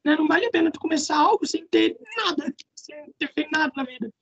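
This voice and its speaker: A woman's voice: sits high, quick pace, lo-fi sound. A woman in her twenties interviewing casually, using slang and informal speech. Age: 20s.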